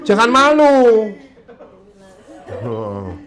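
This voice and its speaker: A man runs a motivational sales session. His somewhat high voice swings widely in pitch as he jokes and acts out conversations with clients. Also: very slow. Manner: lively, joking, acts out client dialogues. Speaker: insurance sales trainer. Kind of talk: motivational training talk to a live audience.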